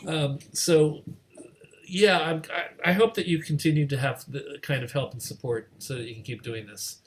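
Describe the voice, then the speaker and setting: Man hosting, halting and conversational. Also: fairly high pitch, fairly even intonation, slight background noise. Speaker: host of an online community gathering. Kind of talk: casual moderated video-call discussion. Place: remote video call.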